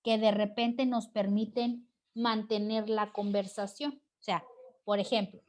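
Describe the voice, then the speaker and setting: A woman's voice: mid-range voice, flat delivery, measured pace. A Mexican woman teaching a class, explaining step by step and often checking with her students. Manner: explanatory, frequent check-ins with "¿ok?" and "¿sí?". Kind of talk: recorded online class lecture.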